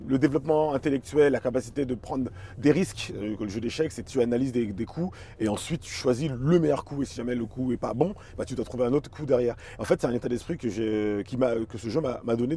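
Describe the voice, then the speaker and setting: A man's voice: mid-range voice, warm tone, a little hiss or hum. A man, talking casually and reflectively as an interview guest, often repeating words as he searches for phrasing. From Paris suburbs, France. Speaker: interview guest, chess teacher and performer.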